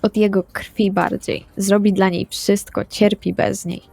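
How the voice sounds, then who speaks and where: A woman's voice: mid-range voice, flat delivery, a little slow, gravelly, a little mellow. A woman improvising serious in-character dialogue in a tabletop role-playing game. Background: music.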